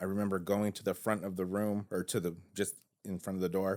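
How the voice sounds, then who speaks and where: With a Spanish accent, a man talks in a fairly low pitch and a monotone, flat intonation. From Mexico. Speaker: podcast host. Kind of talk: casual chat.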